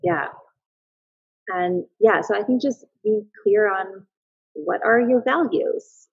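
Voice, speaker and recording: In a relaxed interview on a podcast, a woman in her thirties who is both a mother and a business owner speaks thoughtfully and earnestly, restarting sentences often. Her medium-pitched voice is gravelly and slightly rough, and she takes her time. The sound is echo-free but slightly dull and lo-fi.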